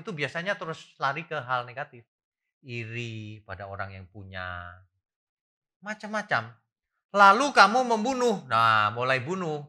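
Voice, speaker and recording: A middle-aged man preaching a sermon as a pastor, asking the congregation questions and swinging from quiet asides to loud exclamations. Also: a little high.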